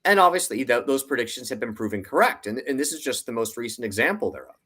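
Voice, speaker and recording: A man's voice: mid-range voice, very animated, fast talker, bright, forceful tone, husky. A man speaking off the cuff as an interview guest, giving emphatic economic commentary with rhetorical questions and repeated points.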